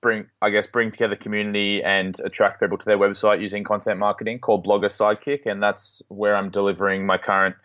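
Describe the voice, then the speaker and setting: An Australian man talks as a podcast guest, relaxed and full of ums and restarts. His voice sits fairly low. It comes through a dull, lo-fi line that cuts off the top end. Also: fast, hardly any pauses. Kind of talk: casual interview talk.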